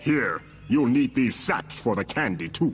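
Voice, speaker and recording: Over clear music in the background, a man puts on a cartoonish character voice at a medium pitch. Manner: dry, impatient, irritable.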